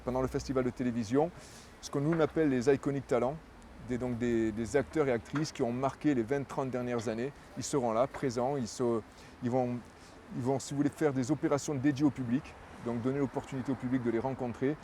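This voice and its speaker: A man's voice: mid-range voice, fairly even intonation, brisk, mellow, a little hiss or hum. A man, a festival director, answering interview questions in a fluent, promotional way, repeating words as he thinks.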